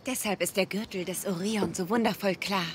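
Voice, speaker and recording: A woman's voice: mid-range voice, fairly quick, lightly acted. An actress in a dubbed sitcom playing a witty, nerdy young woman. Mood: friendly. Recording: noisy TV audio with background ambience.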